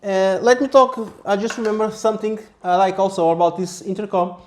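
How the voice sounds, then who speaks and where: A man, explaining a product in a casual, halting demonstration style. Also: sits high, slight background noise. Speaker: product reviewer. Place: small office, indoors.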